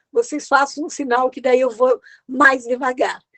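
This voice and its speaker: The woman speaks in a high pitch. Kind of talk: online lecture.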